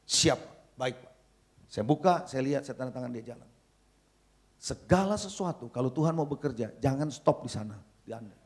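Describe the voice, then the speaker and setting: A middle-aged man, a pastor preaching a sermon with animated storytelling. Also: medium pitch, a little fast. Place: church service.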